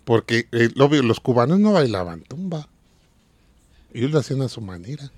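A man's voice: mid-range voice, very animated, brisk, a little mellow, dry recording. A man with a Mexican accent, a dance academy teacher, earnestly explaining in a casual radio interview.

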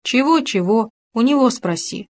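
A woman's voice: on the high side, lively intonation, normal speed, a little mellow, pitched above the performer's own voice, lightly acted. A woman reading a grumbling, wary gopher. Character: cautious grumbling male gopher, the best friend.

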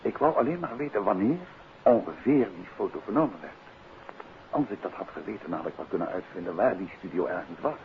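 An actor playing a composed, courteous, inquisitive gentleman detective in a 1950s Dutch radio drama, with a Netherlands Dutch accent. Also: low voice, lively intonation, brisk, highs cut off. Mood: calm, casual. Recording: band-limited, noisy 1950s radio recording.

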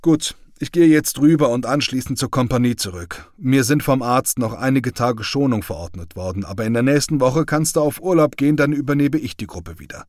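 A man's voice: mid-range voice, a little fast, few pauses, darkish tone, dry recording, studio quality, voice pushed up, natural voice. A man reading the part of an easygoing male sergeant just back from the hospital. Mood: hearty.

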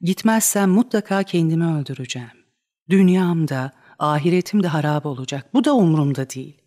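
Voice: mid-range voice, expressive, brisk, darkish tone, close to an everyday voice. A reader voicing a frantic lovesick young woman. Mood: despairing. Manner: pleading, crying out in rising outbursts. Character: young woman, desperate and lovesick, wild with grief. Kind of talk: dramatic reading of a stage play.

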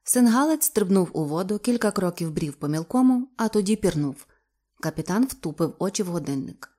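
A woman's voice: on the low side, expressive, brisk, dark tone. Woman reading a novel aloud. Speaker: audiobook reader. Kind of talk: literary audiobook narration.

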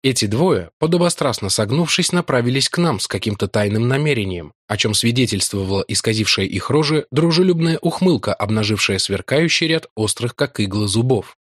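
A man reading a novel aloud in measured, expressive scripted narration. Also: medium pitch, husky, no echo, studio quality. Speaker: audiobook reader.

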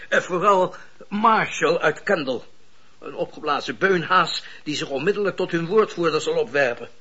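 An old judge in a radio drama, high and husky in voice. He is shrewd, cynical and scornful, lecturing deliberately with swooping intonation. The recording is rather dull. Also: bright, forceful tone, heavily acted. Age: older. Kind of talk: radio play acting.

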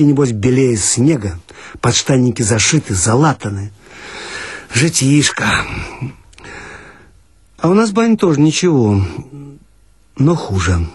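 A man's voice: medium pitch, a little mellow, husky, dry recording. A man performing a comic first-person monologue in a folksy, naive, grumbling manner. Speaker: storyteller.

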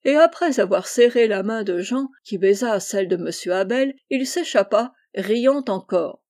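A woman narrating a classic novel as an audiobook reader. She tells the story clearly and evenly at a middling pitch. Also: lively intonation, moderate pace, darkish tone.

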